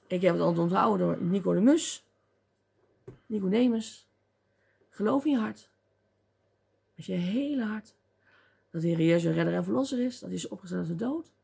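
A woman preaching a lively sermon, acting out voices and crying out at times. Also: fairly low pitch, normal speed, creaky, long pauses, husky. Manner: animated, acts out voices and cries out.

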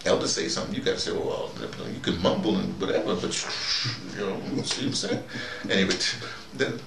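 An older man from the United States, known as a vlogger and audio dramatist, delivers a folksy, preachy ramble in a low, brisk, gravelly voice, repeating phrases for emphasis. The recording has a roomy, distant-mic sound and faint background noise.

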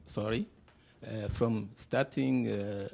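A middle-aged man speaks slowly and haltingly, pausing often as he introduces himself. His voice is low-pitched and mellow. He talks into a handheld mic in a classroom. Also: steady tone, gravelly. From Burundi. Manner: halting, hesitant with many pauses. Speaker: panel guest. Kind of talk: personal introduction.

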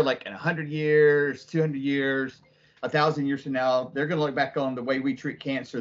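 A man's voice: mid-range voice, a bit bright. A middle-aged man co-hosting a casual video-call chat, rambling and asking questions. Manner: conversational, rambling, asks questions. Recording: dull video-call audio.

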